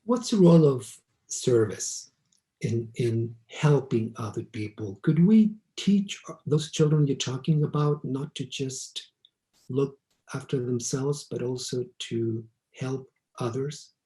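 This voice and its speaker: A man asking an interview guest a thoughtful question in a measured way. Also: mid-range voice, mellow.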